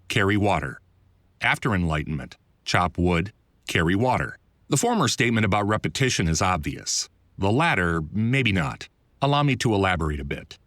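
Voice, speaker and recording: A man's voice: low voice, a bit bright, no echo. A man reading his own nonfiction audiobook in a conversational, wry and articulate way, close on a studio mic. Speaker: author reading own audiobook, voiceover producer. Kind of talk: scripted audiobook narration. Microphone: close studio voiceover mic.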